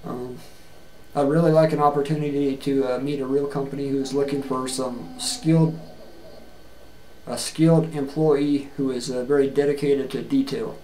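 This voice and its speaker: Halting, earnest man in an echoey room. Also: medium pitch, fairly even intonation, darkish tone, slight background noise. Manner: halting, many fillers and restarts; plain-spoken, earnest. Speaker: job seeker. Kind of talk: video resume pitch. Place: small room, plain wall, indoors. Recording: echoey room with faint ambience.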